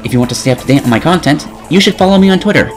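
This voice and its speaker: A young man of twenty delivers a scripted game review. His voice is animated and moves widely in pitch, with a sarcastic, opinionated edge. Light music plays behind him. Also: rapid-fire. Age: 20 years old. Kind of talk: scripted video review narration.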